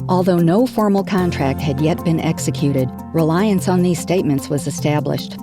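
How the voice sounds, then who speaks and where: With music in the background, a woman speaks at a fairly low pitch and fairly quick pace in a serious tone, with lively intonation and very even loudness. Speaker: voice actor. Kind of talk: case summary narration. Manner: authoritative, clear, serious.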